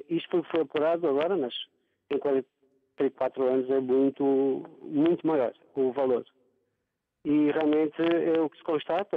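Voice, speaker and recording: A man's voice: on the high side, no room sound. A man from Angola calling in to a TV talk show, speaking earnestly with some repeated words. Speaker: phone-in caller. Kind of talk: call-in opinion. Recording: tinny phone line.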